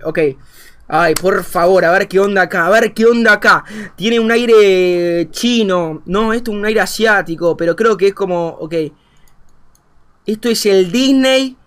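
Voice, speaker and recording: A young man with an Argentine Spanish accent, commentating a game as a streamer, thinking aloud and swinging between quiet muttering and excited outbursts. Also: high-pitched, measured pace. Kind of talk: gameplay commentary.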